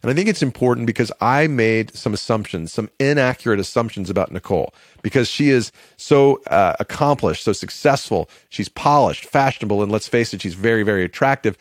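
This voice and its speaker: A podcast host with a lowish male voice leads the interview in an upbeat, chatty manner. The sound is dry and close. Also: expressive, a little fast, hardly any pauses, no room sound. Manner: upbeat, conversational.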